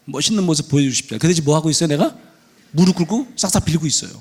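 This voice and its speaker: A man's voice: fairly high pitch, lively intonation, very fast, darkish tone, slightly rough. A middle-aged man preaching a sermon in church, telling a story and acting out the people in it in different voices. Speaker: pastor. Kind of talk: sermon with acted-out stories. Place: church sanctuary.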